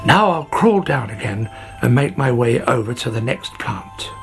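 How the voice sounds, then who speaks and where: A storyteller voicing a cheeky, greedy young male caterpillar in a high, whiny voice. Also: very animated, moderate pace, vocal fry, soft background music. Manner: high, whiny and shrill when upset.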